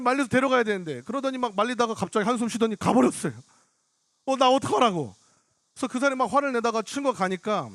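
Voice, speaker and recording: A young adult man, a pastor, telling a story in a sermon at an outdoor prayer rally, animated, acting out what others said. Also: high-pitched, dry recording, studio quality. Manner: animated storytelling, acts out other people's lines. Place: outdoor public square.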